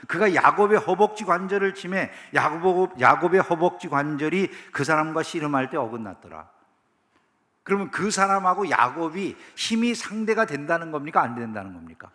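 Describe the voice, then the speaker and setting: A man's voice: a little high, expressive, normal speed, fairly bright tone, big-room sound. A man preaching a sermon as pastor, talking conversationally and often asking the congregation questions. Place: church sanctuary.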